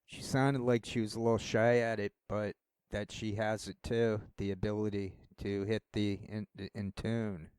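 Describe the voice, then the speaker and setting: A man with a low, resonant voice rambles through a casual monologue for his channel. He talks in a halting way, doubting himself and restarting his sentences. The sound is close and dry. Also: little pitch movement, darkish tone, clean tone, no room sound. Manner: halting, self-deprecating, many restarts. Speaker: channel host.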